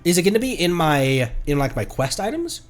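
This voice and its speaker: A man's voice: on the high side, sing-song, brisk. A man doing casual live game commentary, rambling and muttering playfully to himself as he streams. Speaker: streamer, VTuber host. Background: game music.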